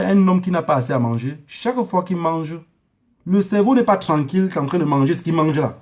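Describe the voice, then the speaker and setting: Male online commentator, notably high voice, emphatic and repetitive, haranguing his audience in informal monologue. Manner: emphatic, haranguing, repeats phrases for effect.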